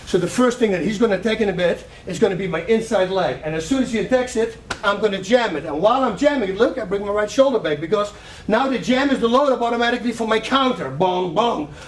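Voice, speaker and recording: A martial arts coach, high-voiced and talking fast, shouts cues and counts out combinations as punches land in his striking class. He's distant from the camera in a spacious training hall, faint noise behind him.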